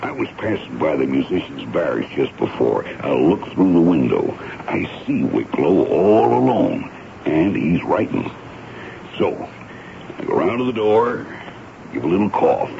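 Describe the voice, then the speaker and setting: A man playing a dutiful, suspicious army sergeant in a 1970s radio drama, gravelly, folksy and deferential. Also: extremely low pitch, very animated, unhurried, heavily acted. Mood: eager, insistent. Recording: noisy, dull 1970s radio broadcast recording.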